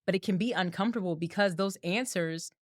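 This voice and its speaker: A woman's voice: on the low side, fairly quick, no room sound, studio quality. A woman in her thirties co-hosting a casual chat, speaking emphatically and jumping into playful made-up examples. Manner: emphatic, jumps into playful hypotheticals. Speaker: podcast co-host.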